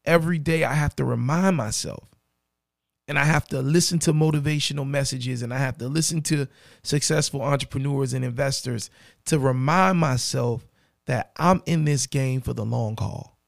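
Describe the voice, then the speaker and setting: A man with a raspy voice and a dry throat, hosting a podcast and speaking earnestly and directly to the listener. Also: medium pitch, normal speed, no echo. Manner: earnest, repeats key phrases, addresses listener directly. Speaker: podcast host. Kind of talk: motivational podcast monologue.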